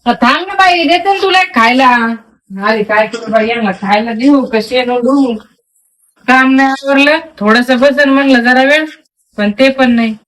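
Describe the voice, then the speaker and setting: A young woman with a high voice and a rural Marathi accent keeps up a grumbling running monologue while she works around a farmyard, muttering to herself and telling off the animals. Her voice is recorded close and dry, with almost no room sound. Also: normal speed, a bit bright, no room sound, poor audio. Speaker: farm housewife vlogger. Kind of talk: casual monologue during chores. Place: rural farmyard outdoors with goats.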